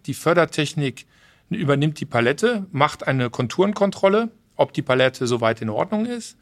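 A man's voice: mid-range voice, a bit bright. A man, a logistics company guest in a trade fair podcast interview, explaining processes in a businesslike way with restarts.

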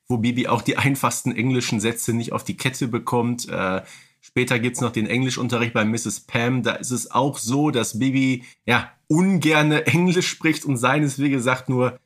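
A man's voice: medium pitch, a bit bright, husky. A man hosting a casual, humorous fan podcast, speaking wryly with playfully pedantic turns of phrase. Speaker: podcast host.

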